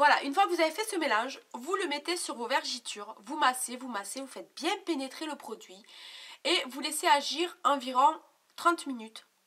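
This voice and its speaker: A woman's high, raised, projected voice, bright and sharp in tone, with lively intonation and big swings in loudness. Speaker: beauty vlogger. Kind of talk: tutorial. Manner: fast.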